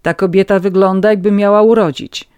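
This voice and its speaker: A reader voicing a calm dignified gentleman. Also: mid-range voice, fairly quick, smooth, no room sound, clean studio sound, voice pushed up, close to an everyday voice. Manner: calm, courteous. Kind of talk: audiobook reading.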